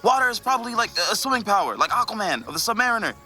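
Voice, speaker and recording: An actor playing an excitable, cocky young husband who goads his buddy in slangy bro talk, in an audio fiction podcast. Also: high-pitched, very fast, faint music behind, exaggerated voice. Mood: eager.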